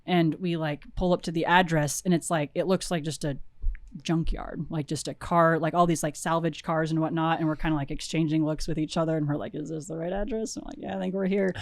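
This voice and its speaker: A woman's voice: deep voice, a little fast, dry recording. Chatty woman telling a producer's tale. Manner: animated, laughing, many fillers and restarts. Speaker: film producer guest. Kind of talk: casual storytelling interview.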